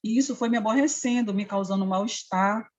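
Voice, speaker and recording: A woman's voice: medium pitch, brisk, a little mellow, muffled recording. A middle-aged woman from Amapá, Brazil, with a local Brazilian Portuguese accent, telling her own story earnestly and acting out the dialogue she quotes. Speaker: interviewee. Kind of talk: personal testimony.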